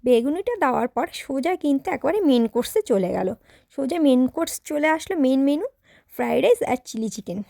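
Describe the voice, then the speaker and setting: A woman's voice: sits high, expressive, fairly quick, vocal fry, dark tone, no echo, clean studio sound. A young adult woman narrating her day as a vlogger, chatty and speaking straight to her viewers. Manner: chatty, addresses viewers directly. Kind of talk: casual vlog narration.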